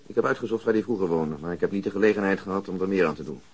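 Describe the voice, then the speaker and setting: A man's voice: sits low, rapid-fire, husky. An actor playing a dry, unflappable policeman in a radio drama, matter-of-fact and needling towards his colleague. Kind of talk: Dutch radio drama acting, conversational.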